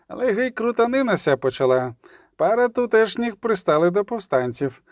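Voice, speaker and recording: A nervous, grumbling outlaw who warns his companions to move on, in a male reader's voice. The pitch rises and falls freely over a dry, close sound. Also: darkish tone, no room sound, close to an everyday voice. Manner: cautious, grumbling.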